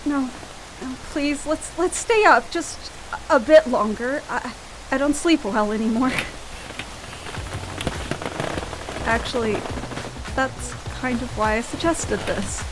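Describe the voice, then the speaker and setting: A woman's voice: high-pitched, unhurried, music in the background, rough recording. A woman acting in a radio play as an anxious, tipsy, grieving friend who is haunted by guilt, hesitant and stammering. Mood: nervous, hesitant.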